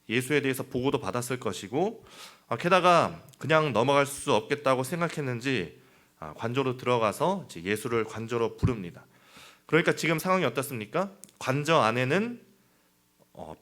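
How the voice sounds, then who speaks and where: A man's voice: mid-range voice, a bit bright. A man preaching a midweek sermon, talking in a conversational way with rhetorical questions and small fillers. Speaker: pastor.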